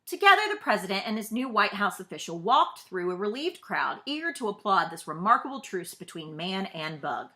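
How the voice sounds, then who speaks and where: A woman reading a storybook aloud to children as a librarian, with expressive narration. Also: mid-range voice, fairly quick, few pauses.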